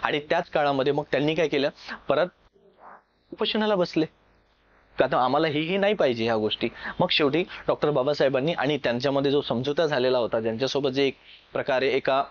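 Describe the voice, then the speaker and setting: A man's voice: medium pitch, fast talker. A man with a Marathi accent from Maharashtra lecturing like a classroom exam coach, explaining step by step and often checking that students follow. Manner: explanatory, repeatedly checks understanding with short questions. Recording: dull lo-fi sound.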